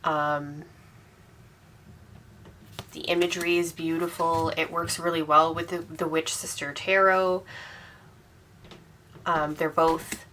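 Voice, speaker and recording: Brief: woman host in her 30s, congested from a cold, low and bright voice, chatty, lots of ums. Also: little pitch movement, slow, pauses often, slight background noise. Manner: chatty and enthusiastic, with frequent ums. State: congested from a cold, slightly sore throat. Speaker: tarot channel host. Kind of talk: casual monthly wrap-up vlog.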